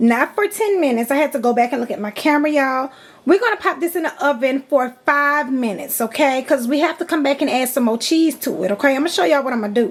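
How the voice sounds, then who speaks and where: A woman speaks very fast in a high voice with a Southern US accent. Her intonation is lively, and she hardly pauses. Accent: country, Southern US-style speech. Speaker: cooking YouTuber. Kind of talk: cooking tutorial. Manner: casual, chatty.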